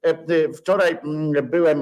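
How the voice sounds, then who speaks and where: A man's voice: fairly high pitch, fairly even intonation, takes it slowly, a little mellow. A man hosting a casual livestream chat, rambling and self-mocking with many filler sounds, sore and bruised. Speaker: livestream host. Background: dog present.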